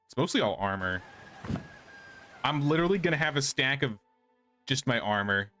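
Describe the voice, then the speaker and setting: A man's voice: mid-range voice, lively intonation, moderate pace, pushed and bright, soft background music. A man casually commenting on his gameplay during a live stream, thinking aloud and answering chat questions.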